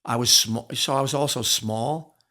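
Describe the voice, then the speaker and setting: On a podcast, a middle-aged man who once wrestled and coached speaks frankly about his sporting past. His medium-pitched voice sounds pushed and bright at a moderate pace, and he repeats phrases emphatically so they land.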